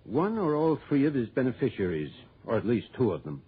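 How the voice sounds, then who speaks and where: A man's voice: mid-range voice, sing-song, brisk, breathy edge. An actor playing a precise, matter-of-fact male insurance office manager in an old radio drama. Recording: tinny phone-like old radio broadcast.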